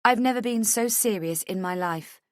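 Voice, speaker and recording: A woman's voice: mid-range voice, moderate pace, no room sound, clean studio sound, pitched above the performer's own voice, lightly acted. A woman voicing an insistent, defensive female podcaster who argues and pleads, in audiobook dialogue. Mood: earnest, insistent. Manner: pleading, argumentative.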